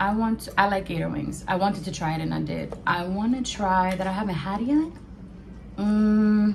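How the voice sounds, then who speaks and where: Noticeable background noise sits under a woman at medium pitch. She talks at a moderate pace with ordinary pitch variation. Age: 30s. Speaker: host's childhood friend. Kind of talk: casual chat.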